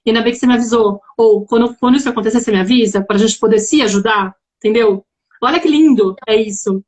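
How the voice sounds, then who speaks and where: A woman's voice: on the high side, fast. A woman in her thirties, a mother and guest on a live video chat, speaking earnestly and acting out talks with her daughter. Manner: earnest, animated, acts out dialogues with her daughter. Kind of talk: live conversation.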